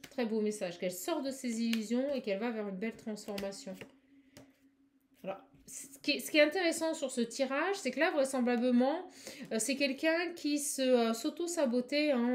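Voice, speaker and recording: Woman doing a spiritual card reading, kinda high voice, talks fast n gushy, faint hiss behind. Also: a little mellow. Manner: effusive, fast, exclamatory, addresses viewer directly. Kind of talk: live tarot-style channeling reading.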